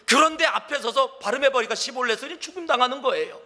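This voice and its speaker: Korean pastor, male, bright high voice, big swings, reverberant church hall. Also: fast talker. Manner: animated storytelling, acts out dialogue, drops to whispers. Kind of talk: sermon. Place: church sanctuary.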